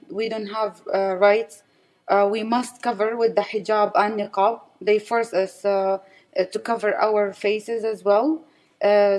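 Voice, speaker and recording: Halting woman with an Arabic accent. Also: mid-range voice, darkish tone. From West Bank, raised in Saudi Arabia. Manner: halting, searching for words, non-native English. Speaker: interview guest. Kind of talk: personal testimony in an interview.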